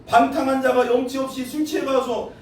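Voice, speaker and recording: Male pastor, sermon, lively, quizzes congregation, high voice, distant echoey sanctuary, faint noise. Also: a little fast. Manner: animated, quizzes the congregation, acts out quotes. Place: church sanctuary.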